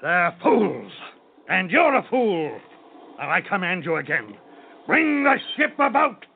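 A sneering sea captain, voiced by a man who laughs at his crew and snaps out commands. His voice sits high and leaps all over the place. It comes through thin and tinny, with a faint hiss behind it. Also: very animated, takes it slowly, gravelly, breathy edge, heavily acted. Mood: mocking. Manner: jeering, barking orders, laughing scornfully. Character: scornful mocking ship captain, gruff and blustering. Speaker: actor in a radio drama. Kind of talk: old-time radio drama acting.

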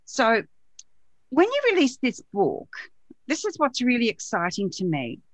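A woman hosting a live-streamed interview, gentle and effusive, greeting viewers and reading out their questions. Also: on the high side, wildly swooping pitch, a little slow, dry recording. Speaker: radio show host.

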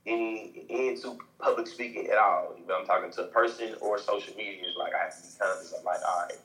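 A man with an African American accent talking casually and haltingly, with frequent conversational check-ins. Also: low-pitched, fairly bright tone. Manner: informal, halting, peppered with "you know what I'm saying". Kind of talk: casual podcast chat. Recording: echoey room sound.

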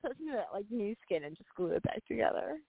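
A woman's voice: mid-range voice, very animated, quick pace, gravelly, husky, no echo. A woman co-hosting a radio show with casual banter and short reactions. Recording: tinny phone-like line.

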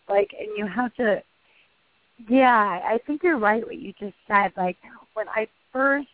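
A woman in her thirties with a husky voice, an actress guest talking casually in a rambling, chatty way with many restarts. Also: medium pitch. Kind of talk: phone interview. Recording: tinny phone line.

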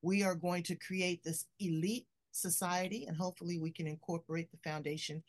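A woman's voice: lowish voice, little pitch movement, brisk. A woman hosting a talk show, effusive and playful, with an upbeat, rallying way of speaking. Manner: effusive, playful, preachy about purpose. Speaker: show host. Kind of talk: casual interview chat.

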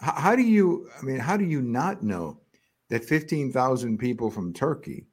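A male political talk host who questions his guest with open disbelief. His voice is a little husky. His pitch rises and falls a lot as he talks. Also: takes it slowly. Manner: animated, incredulous questioning.

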